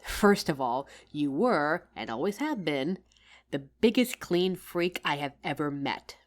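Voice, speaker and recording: A devoted working wife, acted out by a woman, speaks in a fairly low voice. Her delivery is tender and conversational, with a teasing edge, in the close, personal style of a scripted roleplay monologue for one listener. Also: sing-song, measured pace. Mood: fond teasing. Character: loving, tired career-woman wife talking to her househusband.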